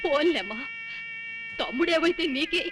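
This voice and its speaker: Film comedy: frail, hard-of-hearing old mother who scolds and frets, high voice. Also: lively intonation, moderate pace, music in the background. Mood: pleading. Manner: complaining, scolding, sentimental. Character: sickly old mother, half-deaf and fussing. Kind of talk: Telugu film comedy acting.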